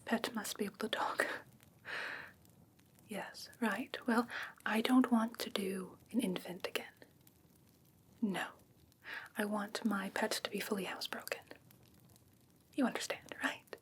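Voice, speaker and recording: A woman playing a whimsical, coaxing fae creature in a breathy ASMR whisper, sweetly condescending and soothing in a halting, doting way. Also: medium pitch, fairly even intonation, a little hiss or hum, natural voice. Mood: matter-of-fact, whimsical. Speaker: ASMR roleplay performer. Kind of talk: whispered ASMR fantasy roleplay.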